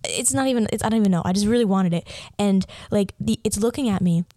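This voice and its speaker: A woman's voice: mid-range voice, quick pace, mellow, no room sound. A young adult woman hosting a casual solo podcast, rambling and chatty with lots of filler words and a slight lisp. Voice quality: slight lisp from a watering mouth. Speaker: podcast host.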